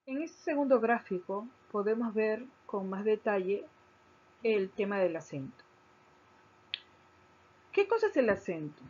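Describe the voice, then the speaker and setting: A woman teacher giving a recorded grammar lesson, explaining slowly, stressing key syllables and repeating her points. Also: medium pitch, very animated, a little hiss or hum. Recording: dull lo-fi recording.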